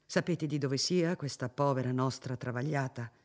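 A man's voice: medium pitch, moderate pace, a little mellow, natural voice. Man reading as a fervent old cardinal. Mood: urgent. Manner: solemn, fervent preaching tone.

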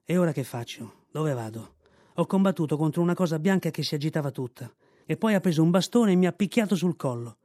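A man's voice: on the high side, animated, fast talker, dark tone, no echo, studio quality. A man doing a timid, humble pack camel. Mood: frightened. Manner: humble, anxious pleading.

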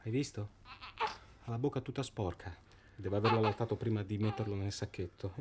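An actor playing a shaken manager from Emilia, turning furious and then quietly probing. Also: male voice, on the low side, a little fast, lightly acted. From Emilia, northern Italy. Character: rattled middle-aged manager on a hunt gone wrong. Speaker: client manager. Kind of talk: short film acting. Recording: noisy location recording.

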